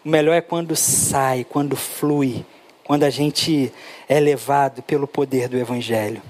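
A man, preaching a sermon and telling stories, acting out the dialogue with lively shifts. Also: medium pitch, a little slow. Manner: animated, acts out dialogue with his son. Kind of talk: sermon with storytelling.

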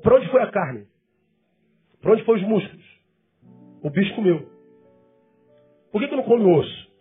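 A man's voice: high voice, sing-song, moderate pace, slightly rough, phone-quality sound, soft background music. A male pastor giving a conversational sermon full of rhetorical questions.

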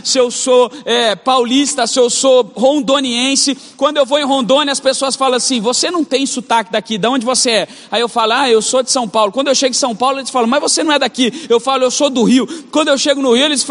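Young Brazilian male pastor, very high voice, fervent repetitive preaching, long hall reverb. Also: fairly bright tone. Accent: Brazilian Portuguese, mixed regional. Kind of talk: sermon. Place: church auditorium.

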